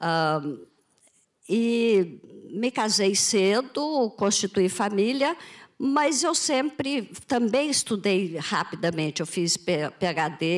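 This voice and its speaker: A woman speaks with very wide pitch swings. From Brazil, Goiás. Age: 70s. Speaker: education secretary, panelist. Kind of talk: conference panel talk.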